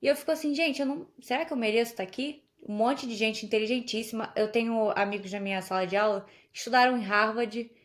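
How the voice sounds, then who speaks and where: A woman's voice: a little high, fast, few pauses. A young woman from Brazil chatting casually as a podcast guest, telling stories and laughing often. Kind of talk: casual conversation.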